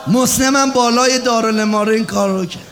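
A man preaching a religious mourning sermon. He swings between shouting and hushed, low tones, and chants prayers very slowly. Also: slight background noise.

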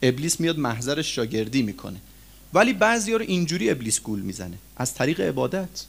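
Animated male preacher with sweeping pitch. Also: creaky. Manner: animated preaching with sudden loud rises and low drops; addresses listeners as friends. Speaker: cleric preacher. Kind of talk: sermon.

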